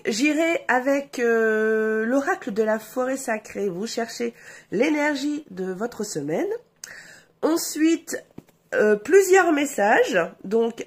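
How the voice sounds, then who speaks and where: Stuffy-nosed French woman, tarot vlogger, slightly high, slow and hesitant delivery. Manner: slow, hesitant, many fillers, addresses viewers warmly as her "essentiels". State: stuffy nose from a cold. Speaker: tarot reader. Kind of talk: casual tarot guidance vlog.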